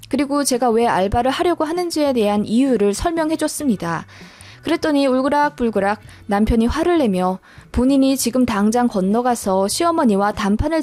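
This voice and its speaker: A young woman telling a first-person story in a calm, wry, matter-of-fact way, as a radio drama narration. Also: a little high, no echo.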